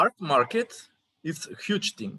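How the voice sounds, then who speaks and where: Lively intonation marks this voice with a non-native accent. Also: man. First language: not English. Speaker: startup founder pitching. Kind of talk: pitch Q&A with jury. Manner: halting.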